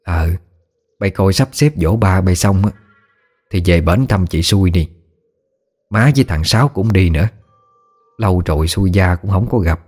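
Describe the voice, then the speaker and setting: A man's voice: low voice, unhurried, pauses often, darkish tone, breathy edge. A man voicing a fussy old country mother. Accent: Southern Vietnamese. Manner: homely scolding, folksy exclamations. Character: elderly rural widowed mother, fussy and affectionate.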